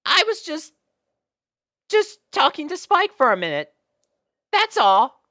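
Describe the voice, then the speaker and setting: A woman voicing a sweet, shy young female pony with a gentle, hesitant manner in a storybook reading. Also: high voice, very animated, slow pace, voice pushed up, full character voice. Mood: sheepish.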